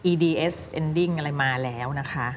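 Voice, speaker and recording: A woman teaching English pronunciation, drilling single words slowly and then explaining quickly. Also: sits low, slight background noise. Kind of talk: pronunciation coaching. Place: recording studio.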